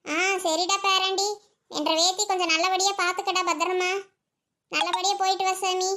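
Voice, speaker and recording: A woman voicing an elderly village grandmother, speaking in a slow, soothing, affectionate way. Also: very high voice, flat delivery, sharp tone. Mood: tender, soothing.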